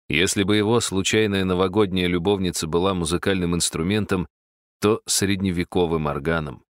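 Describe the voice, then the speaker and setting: Deep-voiced man reading an audiobook. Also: no echo. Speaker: audiobook narrator. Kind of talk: scripted audiobook narration.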